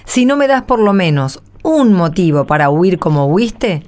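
Woman acting a lively low-voiced Argentine countrywoman. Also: a little slow. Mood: insistent, scolding. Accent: Argentine Spanish. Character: plain-spoken, kindhearted, insistent country woman keeping animals. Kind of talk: radio play dialogue acting.

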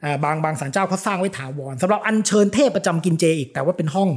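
A man hosting a casual talk show, explaining at length with frequent fillers and repeated agreement. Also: high voice. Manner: fast, explains with many "ah" fillers and repeated "yes yes". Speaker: podcast host, philosophy lecturer.

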